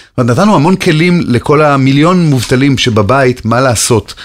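An ordinary speaking voice, this man's sits fairly high in pitch, moving at a moderate pace with lively intonation. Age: 50s. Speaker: TV weather presenter. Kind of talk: interview.

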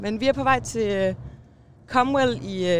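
A woman speaks with very wide pitch swings. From West Jutland, near Varde. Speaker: podcast co-host, political journalist. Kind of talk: casual political chat. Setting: in a car. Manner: hesitant, many fillers.

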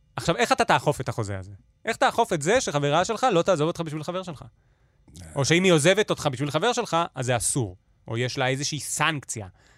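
A man with vocal fry speaks at a very fast pace, his fairly high pitch making very wide swings. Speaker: podcast host explaining news. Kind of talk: news explainer chat. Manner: exaggerated, energetic mic delivery; didactic, explanatory.

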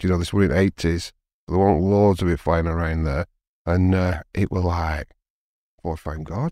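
A man with a Lancashire accent speaks at a very deep, low pitch in a dark, mellow tone, at a moderate pace with fairly even intonation. The recording is very clean with a silent background and a dry, close sound with no echo. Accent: northern English (Lancashire). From northern England, Burnley, East Lancashire. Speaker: pastor. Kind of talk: testimony.

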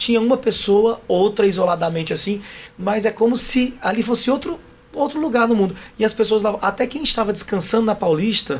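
A high-pitched man in a northeastern Brazilian accent, at a fairly quick pace with ordinary pitch variation. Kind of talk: radio interview.

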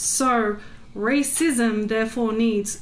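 A woman's fairly high-pitched voice in a monotone, flat intonation, with noticeable background noise. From Chinese heritage. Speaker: podcast co-host.

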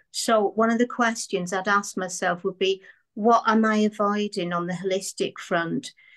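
A woman at a medium pitch speaks at a moderate pace with fairly even intonation in a normal speaking voice. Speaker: business owner in mentoring group. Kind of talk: group mentoring conversation. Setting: video call. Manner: casual, swears.

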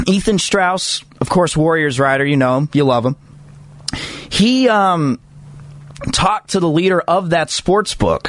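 A man with an animated tone and a high voice speaks at a fairly slow pace with lively intonation over noticeable background noise. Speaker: sports radio host. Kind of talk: sports talk radio monologue. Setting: radio studio.

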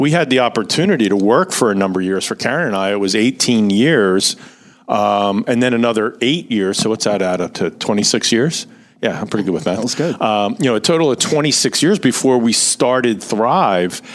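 Using a normal speaking voice, a man speaks at medium pitch and a moderate pace, his intonation lively. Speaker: financial advisor. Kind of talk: radio show discussion.

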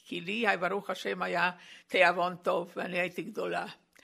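In a very clean recording with a silent background, a woman speaks with vocal fry and a bright, sharp tone. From Slovakia, Bratislava. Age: 80s. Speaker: Holocaust survivor. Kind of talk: testimony. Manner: halting.

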